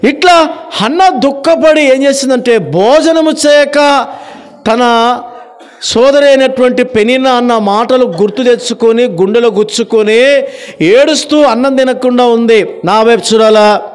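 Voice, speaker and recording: A man preaching a sermon, quizzing the congregation and swinging between loud and low. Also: measured pace, clear, resonant tone. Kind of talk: Telugu sermon with call-and-response.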